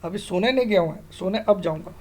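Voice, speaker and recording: A man's voice: sits high, brisk, darkish tone, slight background noise. A middle-aged man explaining informally like an online tutor, self-assured and emphatic, often putting questions to the listener and checking they follow. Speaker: stock market analyst and online tutor. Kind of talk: informal screen-tutorial explanation of trading charts.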